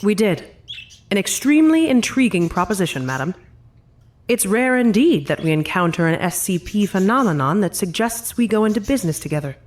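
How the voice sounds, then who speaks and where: A woman playing a diplomatic, authoritative senior official in an audio drama, speaking formally, deliberately and tactfully. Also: medium pitch, sing-song, lightly acted. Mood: businesslike.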